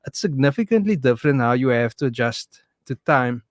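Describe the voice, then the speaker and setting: Relaxed, reflective man radio co-host. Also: medium pitch, a little fast, dry recording, studio quality. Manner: relaxed, reflective, many fillers, says "man". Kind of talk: casual studio radio chat. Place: radio studio.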